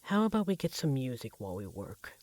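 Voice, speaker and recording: Voicing a teasing, affectionate vampire barista, the performer speaks briskly in a slightly mellow mid-range voice with big pitch swings and no room sound. It's a one-sided ASMR roleplay about domestic life, with a sizzling frying pan clearly audible behind it.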